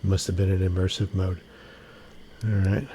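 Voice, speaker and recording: A man's voice: deep voice, little pitch movement, normal speed, dark tone, a little hiss or hum. A man giving casual gameplay commentary, muttering to himself and swearing freely. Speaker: gaming channel host. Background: music behind the voice.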